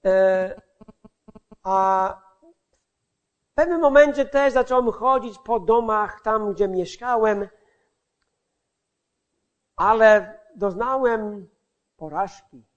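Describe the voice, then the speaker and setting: High-voiced, slow, halting male evangelist. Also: muffled recording. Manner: halting, searching for words, many restarts. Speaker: street evangelist. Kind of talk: personal testimony in a sermon.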